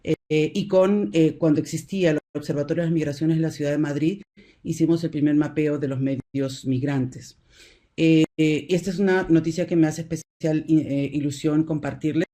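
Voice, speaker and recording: A middle-aged Peruvian woman presents her research as a professor over a video call. Her voice is mellow and soft-edged, and she talks in a halting way, with frequent fillers and restarts. She speaks with a Peruvian Spanish accent. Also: low voice, steady tone. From Peru. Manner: hesitant, many fillers and restarts. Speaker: university professor. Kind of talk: academic presentation in a video conference.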